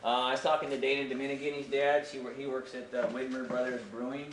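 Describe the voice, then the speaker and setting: A man teaching a high school math class in a casual, chatty way, often checking in with "right?". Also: quick pace, slight background noise. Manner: chatty, animated, keeps asking "right?". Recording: distant echoey classroom recording.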